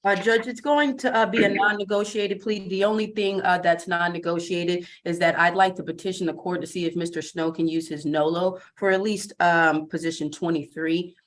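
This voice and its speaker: A woman's voice: lowish voice, steady tone, normal speed, hardly any pauses. A woman defense attorney petitioning the court, hesitant and full of fillers. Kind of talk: courtroom request.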